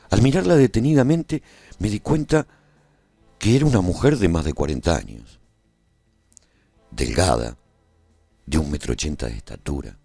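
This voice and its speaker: A low, husky warrior recounts his adventure in a radio drama, brave and full of awe. The pitch swings widely for theatrical effect, with weighty pauses, in a very dry recording over faint music. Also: darkish tone, dry recording, full character voice. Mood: tender. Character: brave male warrior narrating his adventure, awed and lovestruck. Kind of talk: dramatic scripted first-person radio serial narration.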